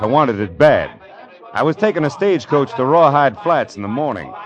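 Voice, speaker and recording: An actor playing a wry, determined gold seeker who narrates and acts in an old radio Western. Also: male voice, medium pitch, close to an everyday voice. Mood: intent, reflective. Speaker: narrator and lead character. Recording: dull old radio recording with music.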